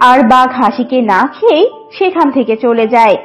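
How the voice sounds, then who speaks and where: High, lively woman storyteller. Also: moderate pace, highs cut off, soft background music. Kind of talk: scripted children's cartoon narration.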